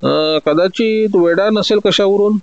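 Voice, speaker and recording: A man reading a story, voicing a shrewd male detective who speaks in a measured, soothing way to win trust. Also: high voice, vocal fry, darkish tone, dry recording, highs cut off, voice pushed up, full character voice. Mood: coolly probing.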